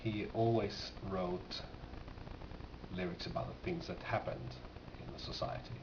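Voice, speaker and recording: Swedish guy with a lowish voice chatting about his collection, stops and starts a lot, really echoey room and muffled noisy sound. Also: steady tone. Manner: halting, pausing mid-sentence. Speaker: record collector presenting finds. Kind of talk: casual unscripted show-and-tell. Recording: dull, echoey, noisy amateur room recording.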